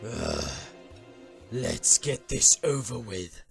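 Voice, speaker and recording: A man playing a bored, disdainful villainous spirit in an audio drama, with a raspy, gravelly voice and theatrical grumbling. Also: lowish voice, very animated, drawn-out words, soft background music, full character voice. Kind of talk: fan audio drama acting.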